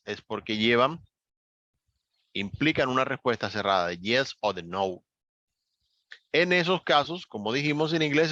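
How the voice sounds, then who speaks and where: A man's voice: medium pitch, no echo. Man, patient step-by-step teacher, dry muffled recording. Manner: patient, step-by-step explaining with lively rises on key words. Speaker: English teacher. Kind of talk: online class explanation. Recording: dull, slightly lo-fi dry recording.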